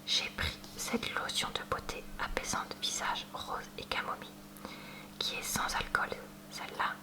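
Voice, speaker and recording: A woman speaking in a soft, breathy whisper, presenting products in an unhurried ASMR unboxing style with hesitant asides. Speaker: ASMR video creator showing purchases. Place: at home.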